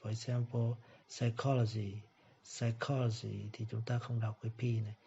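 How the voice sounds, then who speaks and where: A man teaching English pronunciation, repeating each word slowly before explaining it. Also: mid-range voice, level tone, creaky, warm tone, husky. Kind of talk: pronunciation lesson. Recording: dull lo-fi recording.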